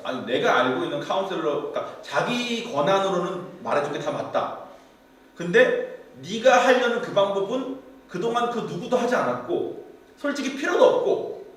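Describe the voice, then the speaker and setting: A man, a pastor, telling a candid personal story in a sermon testimony, in an animated storytelling manner. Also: high voice. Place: church sanctuary. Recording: very echoey hall, distant mic.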